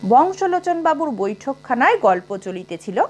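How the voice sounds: A woman speaks in a high pitch. Her voice makes big pitch swings. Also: moderate pace.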